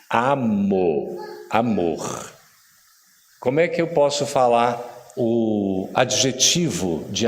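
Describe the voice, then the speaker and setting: A middle-aged man with a Brazilian Portuguese accent giving a playful lecture, quizzing the audience and slowly repeating words for them to learn. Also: on the low side, darkish tone. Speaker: spiritist lecturer teaching Esperanto. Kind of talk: lively lecture to a live audience. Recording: long reverb of a hall.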